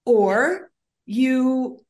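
An older woman whose first language is Greek speaks as an interview guest at a slow, unhurried pace. She rambles through her stories, often restarting sentences and filling pauses with ums. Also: sits high, animated, darkish tone. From United States. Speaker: author and guest. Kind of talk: casual interview conversation.

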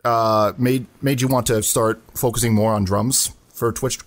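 A man hosts a casual online interview, putting friendly, jokey questions to his guest with a few fillers along the way. His voice sits at a middle pitch for a man. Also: steady tone, a little slow. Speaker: interview host, YouTube reviewer.

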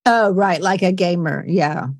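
A woman's voice: lowish voice, a little slow. A woman hosting a podcast, chatting with her guest in an enthusiastic, affirming way. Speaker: podcast host. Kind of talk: casual interview chat.

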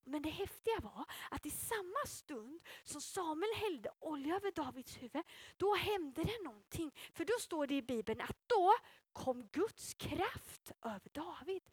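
Brief: lively woman leading a children's Bible story with volunteers, high-pitched, dry close sound. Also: dry recording. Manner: playful, animated, involves child volunteers. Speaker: children's church leader.

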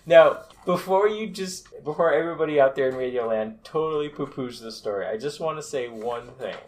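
A man's voice: on the high side, lively intonation, fairly quick, darkish tone. A man co-hosting a casual podcast chat, telling stories with enthusiasm and laughing often. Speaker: podcast co-host.

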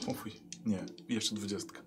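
A man taking part as a player in a tabletop role-playing session, speaking in a quiet, subdued way. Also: fairly low pitch, steady tone, measured pace, very noisy. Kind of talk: casual chat during a tabletop game.

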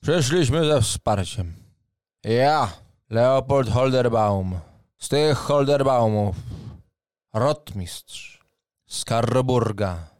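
A man's voice: mid-range voice, animated, very slow, pauses often, a little mellow, no echo, studio quality. A man voicing a proud armoured knight captain in a tabletop game, formal and commanding, with pompous phrasing. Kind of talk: tabletop role-play acting. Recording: music under the voice.

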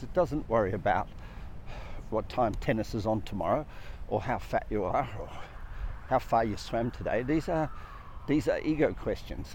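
A speaker on personal growth gives a reflective spiritual talk, his mid-range, slightly mellow voice earnest as he considers purpose and the soul. He stacks phrases and questions one after another, repeating himself as the lists build. Traffic hums faintly in the background.

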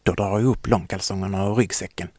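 A man narrating a children's story in a gentle, lively way. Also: low-pitched, no room sound, studio quality.

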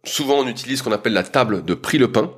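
A man's voice: medium pitch, very fast, husky. A man, a strength coach, explaining training in a loose, casual way with frequent hesitations and fillers.

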